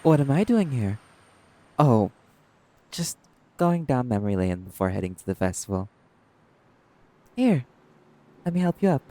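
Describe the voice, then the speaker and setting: Man acting a slow, mellow, sinister doctor villain. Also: mid-range voice, sing-song. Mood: falsely friendly. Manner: falsely solicitous, gloating, drawn out. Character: sinister, mockingly polite male doctor villain. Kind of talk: scripted audio roleplay acting.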